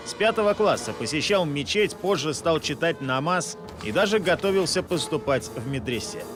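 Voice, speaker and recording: A male documentary narrator delivers a scripted report. His voice sits high and moves in animated swings of pitch, over prominent background music.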